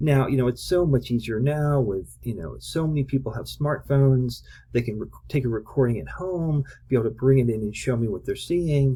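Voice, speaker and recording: A man's somewhat breathy, dark, mellow voice at medium pitch, with an American accent, a fairly quick pace and ordinary pitch variation. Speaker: speech-language pathologist and lecturer. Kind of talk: lecture. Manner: stutters at times.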